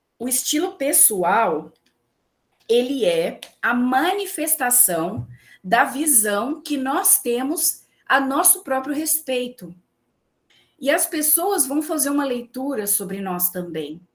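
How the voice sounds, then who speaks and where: A woman speaks at a high pitch and a very slow pace, her pitch swinging very widely between long, frequent pauses. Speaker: image and style consultant giving a talk. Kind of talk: lecture. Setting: talk to a company team.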